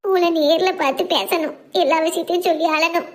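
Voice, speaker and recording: A woman's voice: very high voice, a little fast. A woman playing a lovesick young woman who is heartbroken and tearful, speaking. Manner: tearful, pleading.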